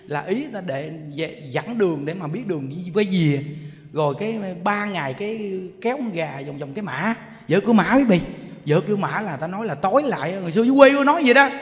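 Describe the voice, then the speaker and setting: A man's voice: sits high, lively intonation, fast talker. A Buddhist monk with a Southern Vietnamese accent gives an emotive sermon in a storytelling way, often speaking straight to his listeners. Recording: long hall reverb.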